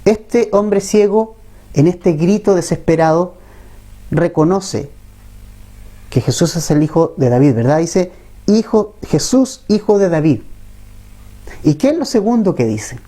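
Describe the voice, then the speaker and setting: A man's voice: fairly high pitch, animated, measured pace, warm tone. A man with a Chilean accent preaching a Bible-teaching sermon as pastor, talking conversationally and often asking the congregation questions. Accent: Chilean Spanish.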